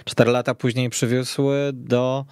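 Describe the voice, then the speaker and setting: Male host, mid-pitched, resonant and clean, moderating sports talk with halting, deliberate phrasing. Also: little pitch movement, dry recording, studio quality. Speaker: podcast host. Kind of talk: moderating a football discussion.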